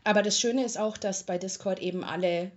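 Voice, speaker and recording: Young adult woman from Germany, interviewee, casual and slangy with plenty of filler pauses; mid-pitched voice on a somewhat dull recording. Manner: chatty and colloquial, brisk storytelling with frequent filler pauses. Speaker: interviewee, tech customer support worker. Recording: slightly muffled lo-fi recording.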